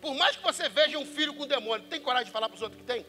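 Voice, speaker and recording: Man, Brazilian Portuguese accent, pastor preaching, very high voice, sharp bright tone, soft music behind. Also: rapid-fire. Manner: preaches with big swings from loud calls to hushed, dropped lines; acts out quoted voices of church members and Bible figures. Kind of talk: sermon. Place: church service.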